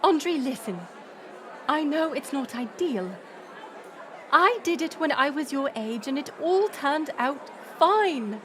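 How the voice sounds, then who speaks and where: A woman's voice: high voice, expressive, slow, fairly bright tone, slight background noise, heavily acted. A woman playing a proud, weary middle-aged queen mother in a dramatic audio roleplay, formal and commanding. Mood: placating, apologetic. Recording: music and crowd murmur behind. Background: music and banquet crowd.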